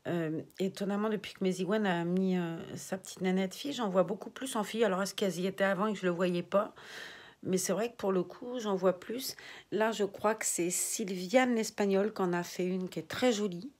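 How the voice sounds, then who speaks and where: This reborn doll collector, an older woman, talks fairly quickly in a mid-range, somewhat mellow voice. She rambles conversationally to her viewers in a home nursery and frequently lowers her voice to a whisper.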